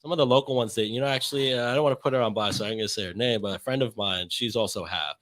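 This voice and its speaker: A man's voice: mid-range voice, racing, a bit bright. A young man guest in a casual podcast interview, talking loosely and rambling with lots of fillers and restarts. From United States.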